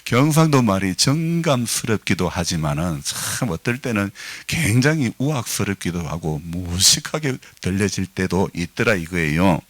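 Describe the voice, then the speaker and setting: Lively Gyeongsang pastor with a low voice. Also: male voice, normal speed, few pauses, dry recording. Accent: Gyeongsang Korean. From Gyeongsang province, Korea. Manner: lively preaching, calls for amens, explains dialect to the congregation. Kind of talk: sermon. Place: church sanctuary.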